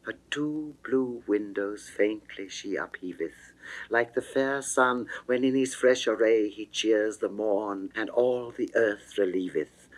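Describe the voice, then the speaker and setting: Slow, theatrical male verse reader. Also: lowish voice, poor audio. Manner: theatrical, measured, declamatory. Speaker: reader of classical poetry. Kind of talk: dramatic reading of Elizabethan verse.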